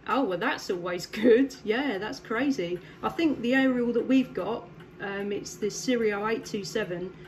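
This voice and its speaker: A woman's voice: medium pitch, unhurried, darkish tone, a little hiss or hum. A woman from England chatting casually with a distant contact over CB radio from her home station, laughing often and filling gaps with ums. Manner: friendly, laughs often, many fillers. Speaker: CB radio operator.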